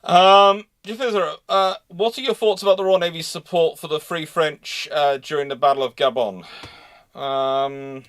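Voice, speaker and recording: A man's voice: a little high, steady tone, moderate pace, fairly bright tone, smooth. A man hosting a live history question session, talking discursively and repeating phrases as he searches for words. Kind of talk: live question-and-answer, thinking aloud.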